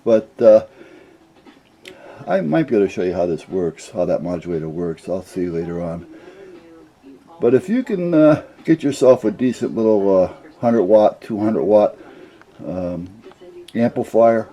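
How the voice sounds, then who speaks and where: A man's voice: on the low side, lively intonation, measured pace, long pauses, dark tone, highs cut off. An older man talking casually and off the cuff about his hobby, explaining things in a plain-spoken, rambling, folksy way. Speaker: CB radio hobbyist explaining gear.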